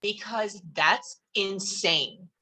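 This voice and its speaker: An actress playing a skeptical, sarcastic, blunt teenage girl with a husky voice in a horror comedy script read. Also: medium pitch, drawn-out words, bright, forceful tone, a little hiss or hum. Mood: exasperated. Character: Vicky, skeptical, exasperated, sharp-tongued teenage girl.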